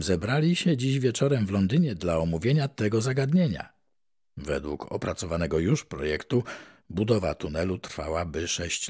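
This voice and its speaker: Deep husky-voiced man reading the news. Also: darkish tone. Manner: measured, announcer-like delivery. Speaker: professional voice-over reader and journalist. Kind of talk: reading old newspaper articles aloud.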